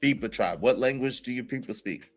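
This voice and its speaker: A man's voice: medium pitch, a little fast, creaky, soft background music. A man hosting a heated live-stream debate, combative and talking over others.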